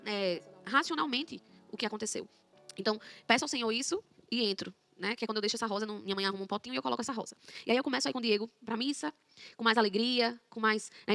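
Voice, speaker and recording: A young woman tells her personal testimony at a rapid clip, voicing her own past words as she goes. Her voice sits a little high and carries a gravelly fry. Faint music plays quietly behind her. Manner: fast, animated storytelling, acting out her own quoted words. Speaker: guest giving a conversion testimony.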